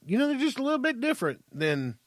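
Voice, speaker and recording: A man's voice: extremely high pitch, sing-song, fast talker, dry recording, studio quality. American man in his fifties, crude and emphatic. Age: 50s. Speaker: podcast co-host. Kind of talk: casual comic banter.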